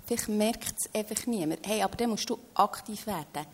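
A woman's voice: mid-range voice, a little fast, a little hiss or hum. A woman with a Swiss German accent, talking earnestly as a guest in a faith-based conversation, often opening her thoughts with "hey".

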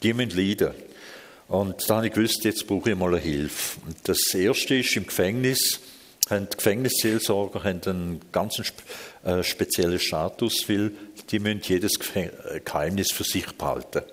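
A man's voice: low-pitched, moderate pace, in a large hall. A man with a Swiss German accent, telling his life story in an interview in a blunt, candid, emotional way.

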